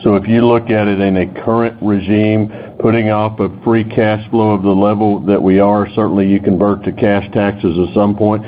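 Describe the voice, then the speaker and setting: Low, even-voiced man on a phone line. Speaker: company finance executive answering analysts. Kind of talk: unscripted earnings call answers. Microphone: telephone conference line. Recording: noisy phone-like conference call line.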